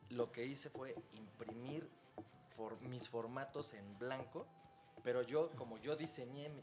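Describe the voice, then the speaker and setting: A young man with a Mexican accent, at an ordinary mid pitch. He talks in a loose, profane, slang-heavy way, like a casual podcast chat. Music plays faintly under his voice. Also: a little mellow. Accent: Mexican Spanish.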